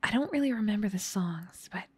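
A woman voicing a gentle, caring big sister in an ASMR roleplay, soft and slightly scratchy, tender and soothing, often whispering. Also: medium pitch, animated, fairly quick, breathy edge, no room sound. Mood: tender, reassuring.

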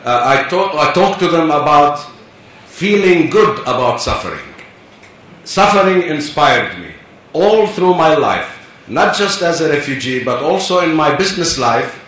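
A man's voice: on the high side, animated, a little slow, fairly bright tone. Older man speaking in an echoey hall. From Palestine. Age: 70s. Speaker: conference panelist. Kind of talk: earnest personal speech. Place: large conference hall. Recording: echoey hall, distant mic, faint hiss.

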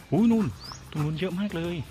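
A man's voice: on the high side, lively intonation, unhurried, mellow, faint music behind. A man vlogging casually while walking outdoors, chatty and exclaiming as he talks to his viewers. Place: outdoors on a street and in a garden cafe.

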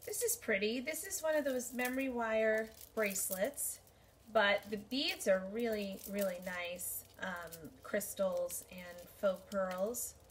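Woman in her forties going thru jewelry slowly, kinda high voice, faint hiss behind, camera across the desk. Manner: unhurried, thinking aloud with many ums. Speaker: vintage jewelry reseller. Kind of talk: casual show-and-tell haul video. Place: bedroom, indoors. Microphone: camera at desk distance.

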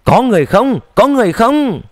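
A man voicing a grieving immortal hero who shouts with a trembling voice into an empty void. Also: high voice, lively intonation, moderate pace, no echo, studio quality.

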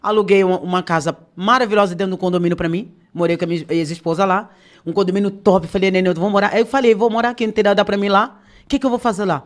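A woman's voice: medium pitch, racing. A woman, a podcast guest and singer, telling a story casually and acting out the dialogue with slang. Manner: animated storyteller who acts out quoted dialogue, slangy.

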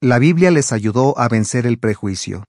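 Calm man narrating a religious video. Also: mid-range voice, moderate pace, no echo, studio quality. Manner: calm, explanatory.

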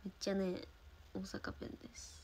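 Young osaka woman rambling on her stream, kansai accent, keeps thanking viewers, drops soft under her breath now and then, close mic. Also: moderate pace, in a whisper. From Osaka, Japan. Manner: chatty, thanks viewers between stories, soft murmured asides. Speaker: idol livestream host. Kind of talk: casual livestream chat.

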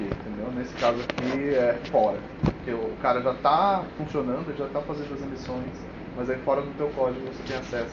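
Brazilian man presenting in an echoey room. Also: mid-range voice. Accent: Brazilian Portuguese. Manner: colloquial, frequent check-in tags. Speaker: developer giving a technical talk. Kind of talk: informal tech presentation with live demo. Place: indoor meetup room with whiteboard. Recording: echoey room, dull sound, clear noise.

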